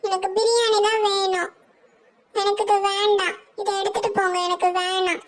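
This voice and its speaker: A woman's voice: very high-pitched, level tone, normal speed. A woman voicing a stubborn little cartoon boy who whines and sobs for the food he wants. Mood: whining. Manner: whining and sobbing, demanding. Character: small whiny little boy, stubborn crybaby.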